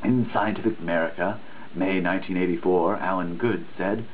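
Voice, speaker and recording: Low-voiced man reading with earnest emphasis. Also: steady tone, normal speed. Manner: earnest, emphatic, preachy delivery with occasional misreadings. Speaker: reader of a dissertation. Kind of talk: dramatic reading of a written text. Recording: tinny phone-like sound with faint noise.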